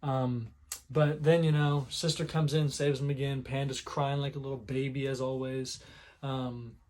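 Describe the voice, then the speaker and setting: A man's voice: medium pitch, a little slow. Rambling man with a scratchy throat. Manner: rambling, full of fillers, animated retelling. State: sore throat, clearing it often. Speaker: manga reviewer. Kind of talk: casual video commentary.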